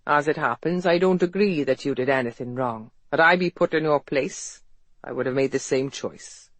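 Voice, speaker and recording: A man's voice: medium pitch, normal speed, fairly bright tone, no room sound, lightly acted. A narrator doing a dry-humored Welsh businessman.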